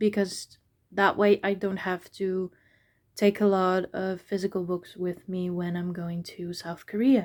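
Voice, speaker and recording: A woman with a Dutch accent at a fairly slow pace, monotone and flat in intonation, on a very clean recording with a silent background. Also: medium pitch for a woman. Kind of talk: casual video chat.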